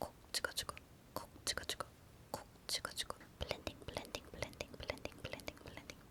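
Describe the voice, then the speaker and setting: A woman whispers at a moderate pace. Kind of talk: ASMR makeup roleplay, whispered chatting. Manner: whispered, soft, chatty.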